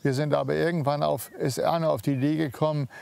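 Gravelly man telling a story. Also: a little high, fairly even intonation, quick pace, a little mellow. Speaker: interviewee.

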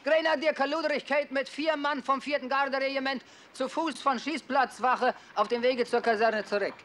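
An actor playing a young Prussian grenadier in a German period drama, shouting stiff military commands and reports. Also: male voice, very high-pitched, fairly even intonation, moderate pace, slight background noise. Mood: stiff, dutiful.

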